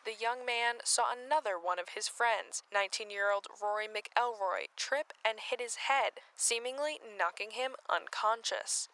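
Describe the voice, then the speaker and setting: Composed woman news anchor played by an actress for radio drama, measured formal delivery, crisp bright edge. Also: mid-range voice, lightly acted, rough recording. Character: composed female TV news reporter, brisk and formal. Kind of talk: scripted news report in audio drama.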